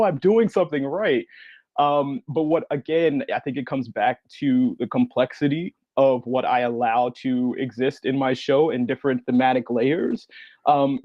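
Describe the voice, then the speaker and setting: A man's voice: mid-range voice, no echo, lo-fi sound. A man speaking as a podcast creator on a panel, answering conversationally and acting out short quotes as he tells stories. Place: remote online panel.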